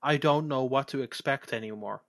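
A man's voice: mid-range voice, fairly quick, a bit bright. A man co-hosting a podcast, talking casually about a video game with eager, stumbling repetitions. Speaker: podcast co-host.

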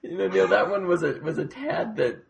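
A man's voice: high voice, sing-song, normal speed, creaky. A man co-host on a podcast who teases the others and half-laughs while he reads out a quiz question. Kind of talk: casual podcast banter.

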